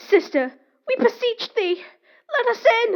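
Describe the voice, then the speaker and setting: A put-on character voice, female-sounding and extremely high in pitch, at a fairly slow pace. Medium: audio drama. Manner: panicked, shouting, desperate.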